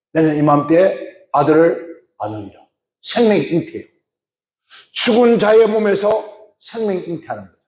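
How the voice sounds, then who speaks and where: In an echoey church hall, a male pastor with a slightly high, slightly mellow voice preaches a sermon, frequently putting questions to the congregation.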